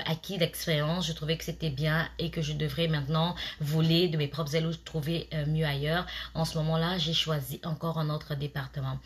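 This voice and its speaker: A woman in her thirties talks straight to her followers in a low, husky voice, offering tips from her own working life. Her delivery is relaxed and chatty, full of fillers and little restarts. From immigrant to Canada. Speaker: vlogger giving job interview tips. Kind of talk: casual advice talk to camera.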